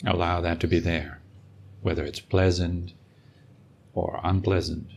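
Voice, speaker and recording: A man leading a guided meditation as a teacher, speaking calmly and unhurriedly with long pauses. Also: sits low, lo-fi sound, slight background noise. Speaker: meditation teacher and podcast host. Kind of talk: guided meditation, slow and soothing.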